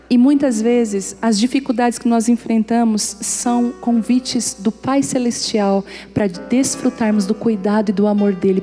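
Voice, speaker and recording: A woman's voice: on the high side, dark tone, long reverb tail. A middle-aged woman pastor, preaching and telling personal stories, acting out dialogue and joking with the congregation. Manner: storytelling, acts out dialogue, jokes with congregation.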